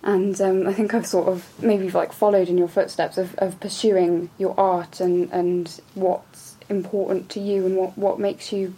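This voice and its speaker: Woman, Welsh accent, young adult, breathy voice, flat even delivery, reflective. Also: mid-range voice, measured pace, few pauses, low-quality recording. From Wales. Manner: reflective, searching for words. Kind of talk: casual chat.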